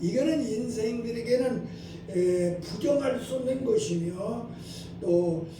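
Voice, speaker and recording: Very slow speech over noticeable background noise. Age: 80s+. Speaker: pastor. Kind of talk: sermon.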